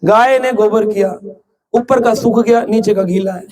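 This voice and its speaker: A man's voice: high-pitched, measured pace, a little mellow. A man giving a devotional lecture as a preacher, joking, asking the audience questions and acting out little scenes in story voices. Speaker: ISKCON preacher. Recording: live lecture with audible audience laughter. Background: audience laughing.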